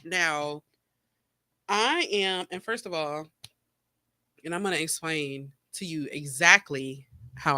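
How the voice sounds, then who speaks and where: Bright, crisp-voiced man with a cold. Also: on the high side, no echo. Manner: chatty, rambling with many fillers. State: slightly congested, getting over a cold. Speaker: podcast host. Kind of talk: casual solo chat. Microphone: streaming mic.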